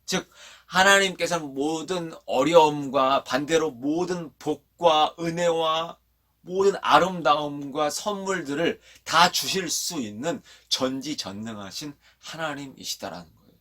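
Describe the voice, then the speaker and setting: A man with a bright, forceful voice gives a sermon for children. He tells a Bible story with life, keeps stopping to ask the kids questions, and leads them in saying lines back to him. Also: a little high, unhurried. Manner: asks the children questions, has them repeat after him; animated storyteller. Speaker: children's pastor.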